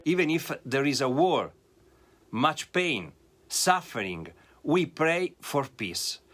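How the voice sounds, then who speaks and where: Man running a religious radio station, solemn, really slow, pitch swings a lot. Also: big pitch swings, fairly bright tone. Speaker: head of a church radio service, interviewee.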